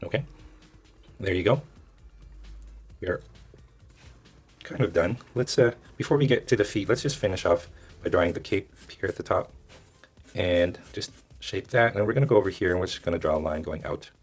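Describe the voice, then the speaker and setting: A man who is a little hoarse, giving casual step-by-step drawing instruction and thinking aloud as he demonstrates. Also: low voice, moderate pace, long pauses, faint music behind. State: hoarse, losing his voice. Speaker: drawing tutorial host.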